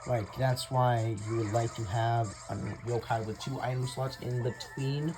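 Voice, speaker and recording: A man's voice: mid-range voice, steady tone, a little slow. A young man giving casual, chatty commentary over his own gameplay, often laughing and talking to viewers as "guys". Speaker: gaming YouTuber. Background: faint game music.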